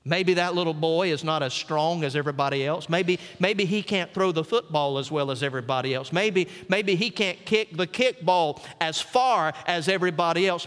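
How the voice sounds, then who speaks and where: A middle-aged man, a senior pastor, preaching a sermon with folksy stories and emphatic pauses on key words. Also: high-pitched, fairly bright tone, in a large hall. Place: church sanctuary.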